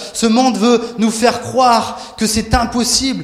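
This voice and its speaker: A man talks at an extremely high pitch and a fairly slow pace. Room echo is audible, along with noticeable background noise. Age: 20s. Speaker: preacher. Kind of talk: sermon. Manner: animated; halting.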